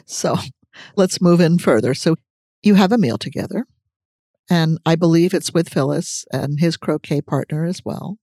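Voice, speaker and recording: A woman's voice: sits low, normal speed, dark tone, no room sound, clean studio sound. A woman podcast host interviewing a guest, enthusiastic and laughing often.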